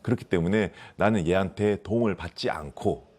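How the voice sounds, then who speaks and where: A man with a deep voice and darkish tone, speaking fairly quickly in a regional Korean dialect, explains life lessons conversationally as an author. He's emphatic and leans heavily on rhetorical questions.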